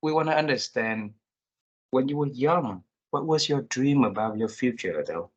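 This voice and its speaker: A man hosting an interview, effusive and courteous, with halting, repeated phrasing. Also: medium pitch, expressive, breathy edge. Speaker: podcast host.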